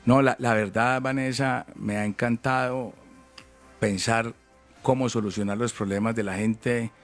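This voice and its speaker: A man's voice: mid-range voice, fairly even intonation, measured pace, soft background music. A man in his fifties with a Colombian paisa accent, a presidential candidate talking emphatically in a heated interview. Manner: emphatic, repetitive, calls people brother.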